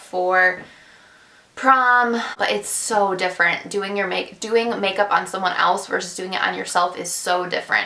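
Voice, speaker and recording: A woman speaks at a medium pitch with a Western New York accent and fairly even intonation. Noticeable background noise can be heard. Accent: noticeable regional Western New York. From Western New York, Buffalo area. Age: 20s. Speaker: beauty YouTuber. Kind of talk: casual Q&A vlog. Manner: casual, filler-heavy.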